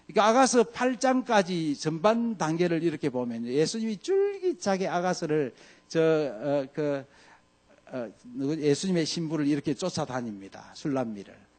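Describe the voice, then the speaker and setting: A man preaching a sermon as pastor, swinging from loud peaks to hushed lows and acting out scripture quotes. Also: sing-song, moderate pace. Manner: acts out scripture quotes in dramatic voices.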